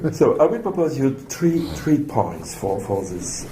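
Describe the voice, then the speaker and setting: With a French accent, a man speaks in very wide pitch swings. Noticeable background noise and audible room echo fill the recording. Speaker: academic panelist. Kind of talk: conference talk. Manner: halting, many fillers.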